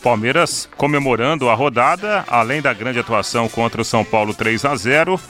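Casting: Brazilian man as radio football reporter, crisp-edged and bright, light music underneath. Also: medium pitch, fairly quick. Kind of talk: sports commentary and reporting.

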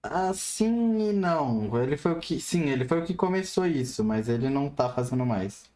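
A man's voice: on the high side, animated, normal speed, warm tone. A man with a Brazilian Portuguese accent hosting a casual, slangy chat. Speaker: host of a drawing chat show.

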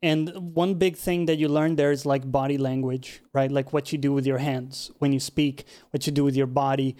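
A man's voice: mid-range voice, little pitch movement, moderate pace, mellow. A man hosting a casual interview, talking in a friendly, chatty way and swearing casually. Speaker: interview host, YouTube channel.

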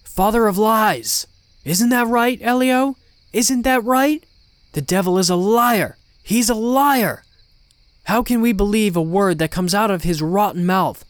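A guilty, frightened father acted by a male narrator, his voice pushed high and loud. He is agitated, defensive and pleading, as in a dramatic horror audiobook, recorded very dry. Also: measured pace, clear, resonant tone, dry recording. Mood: defiant panic.

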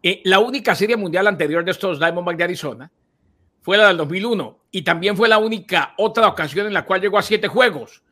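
Bright high-voiced playful man. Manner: playful, teasing, then quick stats rundown. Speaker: sports podcast co-host. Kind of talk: casual sports podcast chat.

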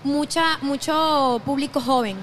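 A woman's voice: high-pitched, steady tone, measured pace, background noise. A young woman with a Venezuelan accent, a podcast guest talking casually and often restarting her sentences. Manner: chatty, self-correcting, laughs easily. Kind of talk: casual interview chat.

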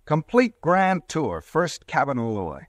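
A brash young American killer from a forties radio thriller. His fairly high voice swings widely as he needles and swaggers through slangy lines, recorded close and dry. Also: big pitch swings, unhurried, dry recording. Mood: cocky, breezy. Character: cocky young pharmacist turned killer, brash and taunting. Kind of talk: 1940s radio drama acting.

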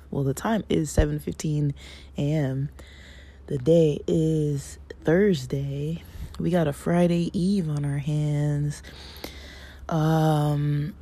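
Slow, dark-voiced man, raspy from sleep. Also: a little high. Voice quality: rambling, many fillers. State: raspy morning voice. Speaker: podcast host. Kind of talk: casual morning recap.

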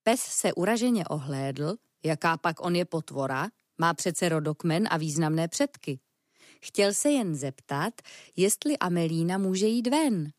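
A woman reads a children's story aloud, calm and even as she tells it. Her voice sits on the low side, and the recording is close and dry. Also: no echo. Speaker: narrator.

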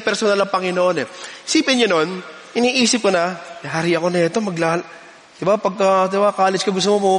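A man, preaching a sermon and telling a personal story in an animated way, often laughing between lines. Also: high voice, long reverb tail.

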